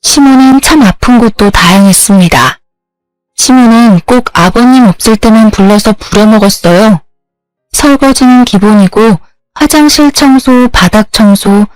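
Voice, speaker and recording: A woman's voice: on the high side, dry recording. A woman in her thirties telling her own story in scripted narration, with an aggrieved, plaintive tone. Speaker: story narrator, the wronged wife.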